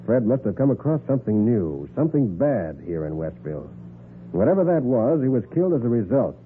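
An actor playing a confident, shrewd private detective, assured and direct, in a 1940s radio drama. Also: male voice, medium pitch, sing-song, fairly quick, natural voice. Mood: probing, intent. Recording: muffled, noisy 1940s radio recording.

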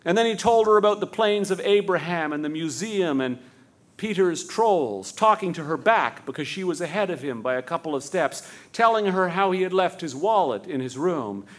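A man narrating a live story in a light, fairly high voice. He strings long sentences together and drops to a slow hush for the tender parts. It sounds like a storyteller holding a room. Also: animated. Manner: slows to a hush for tender moments, building run-on sentences. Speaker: storyteller and host.

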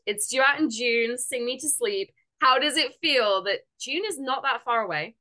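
A woman's voice: on the high side, lively intonation, normal speed, bright, forceful tone. A woman hosting a podcast interview, her voice stuffy from a cold, gushing and enthusiastic, laughing often. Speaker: podcast host. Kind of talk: casual interview chat.

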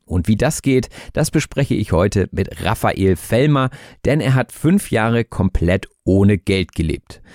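Low-voiced, measured male podcast host. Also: a little mellow, no echo, studio quality. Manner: measured, clear, teacherly delivery. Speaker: podcast host and German teacher. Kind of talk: scripted intro, then interviewing.

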